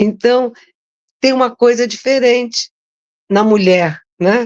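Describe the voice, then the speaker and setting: Very slow delivery by a woman, her pitch varying in an ordinary way. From Brazil, Rio de Janeiro. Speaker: lawyer and human rights activist. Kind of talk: testimony.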